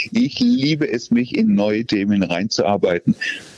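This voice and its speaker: Speaking very slowly, a man has a dark, mellow tone and ordinary pitch variation, the sound dry and close with no echo. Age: 60s. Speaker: presentation coach and author. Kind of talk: interview.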